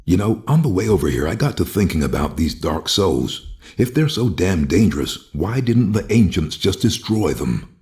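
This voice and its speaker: A man's voice: deep voice, sing-song, moderate pace, a little mellow, husky, dry recording, studio quality, full character voice. A male actor voicing a brooding, world-weary undead warrior in a video game, bitter and sardonic, with street-tough phrasing. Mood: wary, weary. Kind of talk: dramatic game cutscene acting. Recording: background music under the voice.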